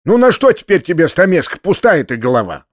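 A man's voice: fairly high pitch, big pitch swings, brisk, no room sound, studio quality, voice pushed up. A man voicing a tall, lean, elderly workman who talks in a stern, pedantic, scolding way.

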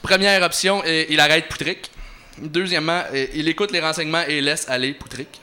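A man's voice: on the high side, fairly even intonation, brisk, pushed and bright. A man hosting a show and reading an interactive story aloud, hesitant with fillers between passages. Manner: hesitant, lots of filler, then theatrical reading. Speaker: host and story narrator.

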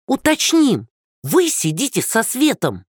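Cranky old neighbor woman, shrill and hoarse, put on by the narrator; dry booth recording. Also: huge pitch swings, unhurried, dry recording, exaggerated voice. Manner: shrill, scolding, hoarse cackle.

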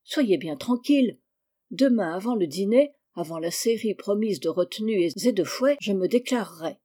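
A woman voicing a calm, mischievous boy. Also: mid-range voice, normal speed, close to an everyday voice. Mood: assured. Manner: calm, self-assured, soft. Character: mischievous clever orphan boy. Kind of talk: audiobook reading.

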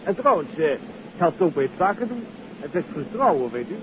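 A man's voice: on the high side, very animated, brisk. A man playing a jovial, chatty former army captain and small trader in a genial, colloquial 1950s Dutch radio drama style. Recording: noisy, tinny 1950s radio recording.

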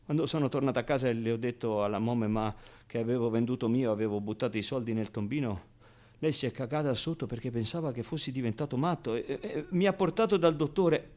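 A man's voice: mid-range voice, quick pace, darkish tone, lightly acted. An actor playing a naive, candid, fearful orphaned Arab boy in a theatrical radio monologue, with stammered repeats and colloquial asides. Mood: confiding, agitated.

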